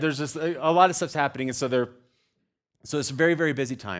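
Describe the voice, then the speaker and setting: In an American accent, a man talks at a very fast pace with a bright, sharp tone on a very clean recording with a silent background. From Texas. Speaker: pastor. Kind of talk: sermon. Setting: church.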